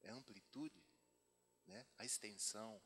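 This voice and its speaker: Brazilian preacher in a reverberant hall. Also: male voice, fairly low pitch, unhurried, sharp tone, a little hiss or hum. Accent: Brazilian Portuguese. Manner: conversational preaching with asides, reading scripture aloud. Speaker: pastor. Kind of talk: sermon. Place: church retreat hall.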